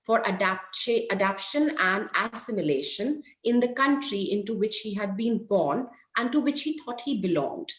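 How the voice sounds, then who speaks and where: A woman presenting an academic paper, reading it aloud in a measured, careful way. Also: mid-range voice. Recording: echoey room.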